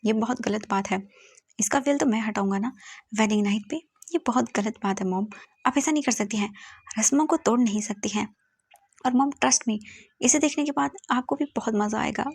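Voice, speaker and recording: A woman's voice: a little high, a little fast, a little mellow, breathy edge, no echo. A woman voicing a playful, teasing young man who pleads with his mother, in a storytelling reading. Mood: pleading.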